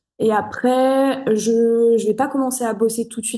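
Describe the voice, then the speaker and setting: A woman's fairly high-pitched voice, dark and mellow in tone, with monotone, flat intonation. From southern France, Montpellier. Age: 20s. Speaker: psychology student. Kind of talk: interview. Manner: hesitant, many fillers.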